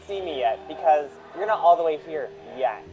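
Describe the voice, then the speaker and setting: An actor playing a wry, apologetic ghost in a radio drama, speaking in a droll, casual way. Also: male voice, fairly high pitch, expressive, normal speed, mellow, lightly acted, low-quality recording. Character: wry, apologetic dead man's ghost in a hallucination.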